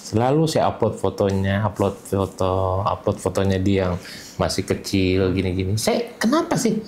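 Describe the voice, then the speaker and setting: A man's voice: low-pitched, steady tone, moderate pace, darkish tone, slight background noise. A middle-aged man, a father speaking earnestly in an interview, repeating phrases and quoting the advice he gave his children. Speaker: father, guest. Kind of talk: reflective interview talk. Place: studio.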